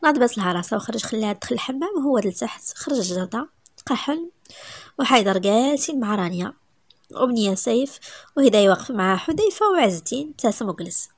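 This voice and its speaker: A woman with a Moroccan accent reading a romance story aloud, brisk and even, dropping to a soft whisper at times. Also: a little high, dry recording, studio quality.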